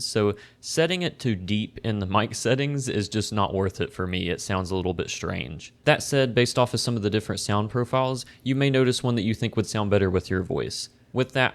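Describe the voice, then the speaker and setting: Easygoing man with a lowish voice. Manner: relaxed, conversational, self-deprecating. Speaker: tech reviewer. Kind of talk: casual product review. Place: home desk in a corner facing two walls. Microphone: close condenser desk mic.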